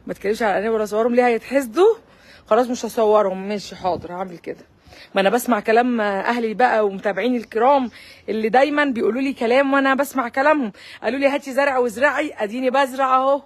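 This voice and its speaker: A woman's voice: on the high side, racing, reverberant, distant mic. An Egyptian woman vlogging casually, chatting playfully and cooing greetings to her animals outdoors. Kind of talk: casual vlog chat.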